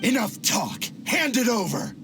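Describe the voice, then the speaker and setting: A gruff shouting bandit. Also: male voice, very high voice, sing-song, a little slow, background noise, exaggerated voice. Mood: angry. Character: rough hostile male treasure-hoarder bandits.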